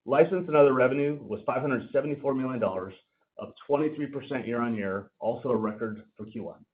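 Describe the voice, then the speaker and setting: A man giving a formal, measured, scripted financial presentation as a company executive on a conference call. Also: medium pitch. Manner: formal, measured delivery of prepared remarks. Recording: narrow tinny phone-line sound.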